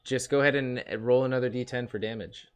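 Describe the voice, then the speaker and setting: A man's voice: mid-range voice, steady tone, fast talker, clear, resonant tone. A man narrating a tabletop role-playing game as game master, filling his descriptions with ums and likes. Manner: hesitant, many ums and likes.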